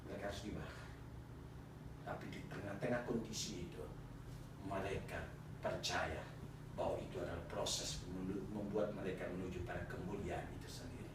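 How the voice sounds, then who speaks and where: Male pastor, lively joking sermon, echoey church hall, distant mic. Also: low voice, normal speed, heavy background noise. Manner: animated, joking with the congregation, rising to loud laughing peaks. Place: church chapel.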